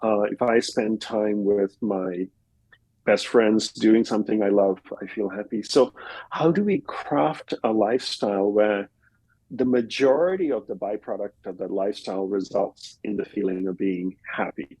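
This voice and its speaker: Male guest from Australia, low-pitched and breathy, reflective and explanatory; dry close recording. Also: unhurried, darkish tone, no room sound, low-quality recording. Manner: reflective, explains in plain step-by-step examples. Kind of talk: relaxed conversational interview answers. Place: home in Costa Rica.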